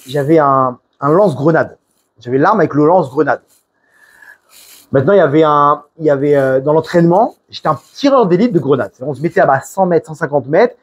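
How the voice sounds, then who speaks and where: Man, French accent, husky voice, high pitch, informal sermon, rambling restarts. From France. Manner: animated, rambling, many restarts, Hebrew religious terms. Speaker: preacher.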